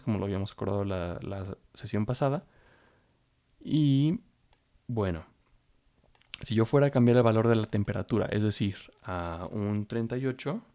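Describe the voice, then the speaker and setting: A man's voice: fairly low pitch, mellow. A man teaching programming, walking through code step by step and thinking aloud as he goes. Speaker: programming instructor. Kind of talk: screen-recorded coding tutorial.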